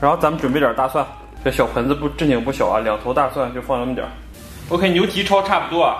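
A man at a very fast pace with ordinary pitch variation, amid audible room echo and faint music in the background. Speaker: home cook vlogger. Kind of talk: casual cooking vlog chat.

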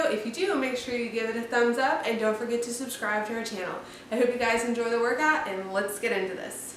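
Speaking at a very fast pace, a woman is heard with audible room echo. Light background noise sits underneath. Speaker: fitness vlogger. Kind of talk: casual vlog chat. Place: gym. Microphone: camera far.

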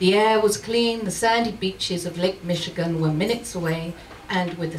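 There is light background noise. A woman speaks at a medium pitch. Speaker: actress. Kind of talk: book excerpt reading. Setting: live bookstore event. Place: shop. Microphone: camera far.

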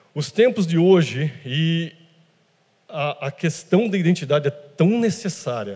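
The voice is somewhat breathy, with a dark, mellow tone and lively intonation. The background is quiet. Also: man. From São Paulo, Brazil. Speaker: church conference speaker on entrepreneurship; conference speaker. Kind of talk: conference talk. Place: hall. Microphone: handheld.

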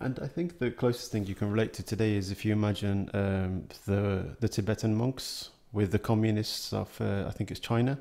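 A man talks at a fairly quick pace with ordinary pitch variation. His tone is dark and mellow, and his pitch is fairly low. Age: 30s. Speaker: software colleague and guest; guest. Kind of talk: casual chat. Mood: thoughtful, calm. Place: home room. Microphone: studio mic.

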